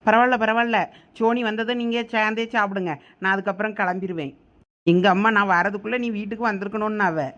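A woman's voice: mid-range voice, fairly even intonation, fast talker, fairly bright tone, natural voice. A young woman in a village comedy skit, politely refusing, on a slightly muffled recording.

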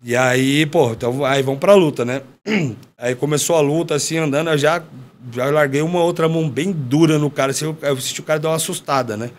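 A man, a former fighter, telling a story in casual chat, slangy and animated, acting out what others said. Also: on the high side, fairly quick. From Brazil. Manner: animated, slangy, acts out quoted dialogue. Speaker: podcast guest, former MMA fighter.

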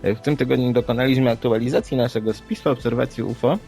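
Creaky-voiced man in matter-of-fact discussion. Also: mid-range voice, fairly even intonation, fast talker, dark tone. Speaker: podcast co-host. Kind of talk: unscripted paranormal news discussion. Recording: background music under the voice. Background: music.

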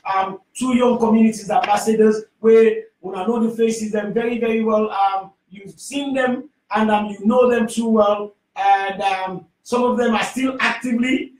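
Sierra leone creole guy hosting radio, high voice, echoey, bit far from the mic. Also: steady tone, normal speed, few pauses, a little mellow. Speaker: radio host. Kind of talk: live radio talk show presenting. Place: small radio studio. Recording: roomy, distant microphone.

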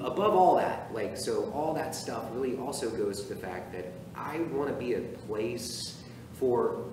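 A man, a theater director, chatting casually in an interview and gesturing as he talks. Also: mid-range voice. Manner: animated, talks with his hands, many restarts. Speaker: theater artistic director, guest. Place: theater stage. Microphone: far camera. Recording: echoey stage from far off with noise.

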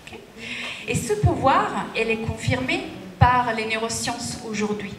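A middle-aged woman delivers a conference talk, slow and deliberate, often checking in with her listeners. Her voice is somewhat high. The sound is roomy and heard from a distance, with faint noise behind it. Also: animated. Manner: deliberate, asks the audience rhetorical checks. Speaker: conference speaker. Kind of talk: lecture presentation. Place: conference room at a lectern. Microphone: handheld mic. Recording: echoey room, distant capture, faint noise.

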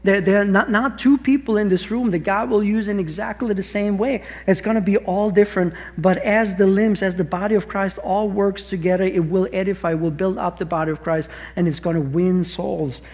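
A man's voice: sits high, fairly even intonation, moderate pace, few pauses, a little mellow. A middle-aged man with an Austrian accent, preaching a sermon on a church stage, earnest, with frequent restarts and rhetorical questions. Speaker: pastor. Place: large church stage with audience.

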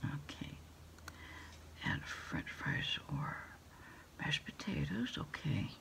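A middle-aged woman doing a quiet ASMR roleplay as an order taker on the phone, speaking in halting, unhurried whispers. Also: sits low, wildly swooping pitch, creaky. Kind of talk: ASMR roleplay, one side of a phone call. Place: small dim desk space indoors.

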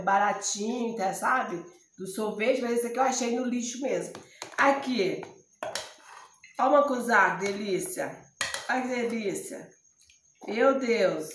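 Hoarse lady w/ ceará accent, high voice, joking around on her phone cam, echoey little room. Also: slight background noise. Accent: northeastern Brazilian, Ceará. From Ceará, northeast Brazil. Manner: joking, chatty, laughs often. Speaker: vlogger. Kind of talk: casual chat to camera. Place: small room indoors at home.

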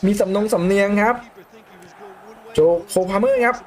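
A young man commentating his own football video game match, calmly explaining tactics between loud excited outbursts. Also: high voice, normal speed, soft background music. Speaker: gaming YouTuber. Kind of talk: live gameplay commentary.

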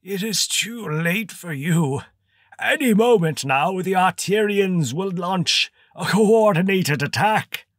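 A squeaky, wheezing little cloned creature, high and swooping. It drags every word out slowly with gloating menace, dry and close. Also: male voice, expressive, a bit bright, dry recording, full character voice. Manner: slow, drawn-out, gloating menace. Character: wheezing scrawny cloned homunculus, male, menacing. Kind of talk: audiobook character voice.

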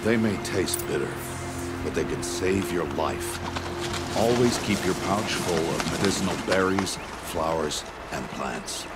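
A deep, grave voice for a stern tribal hunter in a video game. He is a commanding, protective guardian who instructs with weight, set against prominent music. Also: unhurried. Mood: grave, instructive. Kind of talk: dramatic video game acting.

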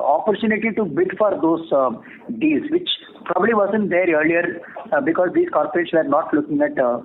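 A man with an Indian accent, a bank executive giving measured, formal, explanatory answers on an earnings call. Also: high-pitched. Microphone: phone conference call. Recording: tinny phone line with clear noise.

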